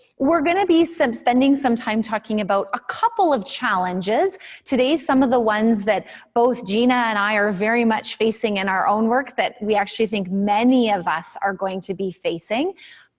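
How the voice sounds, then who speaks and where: A woman's fairly high voice in a Canadian accent, with noticeable background noise. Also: lively intonation, moderate pace. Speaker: panel facilitator. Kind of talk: online conference presentation. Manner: halting, many fillers.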